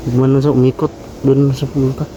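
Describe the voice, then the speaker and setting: The voice is a man's, of middling pitch, with a Filipino accent. He talks to his viewers casually and familiarly, halting and repeating phrases as he goes. The recording is made outdoors and is clearly noisy with wind. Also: flat delivery, dull audio. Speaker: adventure vlogger and host. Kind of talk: casual vlog narration to viewers. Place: outdoors in a windy, quiet spot.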